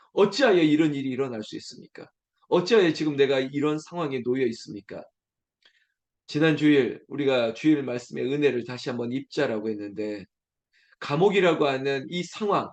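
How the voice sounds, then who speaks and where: 남자 목사가 고난받는 신자의 탄식을 대신 외치듯 간절하게 설교하는 목소리. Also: male voice, fairly high pitch. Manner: earnest, voices the cries of a suffering believer with rising intensity. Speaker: pastor. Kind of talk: sermon.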